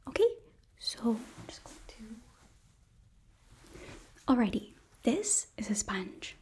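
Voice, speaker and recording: Girl acting as soft whispery perky young hostess from hell, high voice, slow n gentle, asmr roleplay right up close. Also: sing-song. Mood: gentle, reassuring. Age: young adult. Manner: gentle, hesitant, caring, coaxing. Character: sweet, earnest, perky young woman hotel hostess from Hell. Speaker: ASMR performer. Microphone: close microphone.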